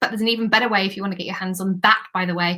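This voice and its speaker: A woman with a British accent speaks in a raised, projected voice with a bright, sharp tone. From Britain. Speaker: online business coach. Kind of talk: live stream training. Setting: live video stream. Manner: animated.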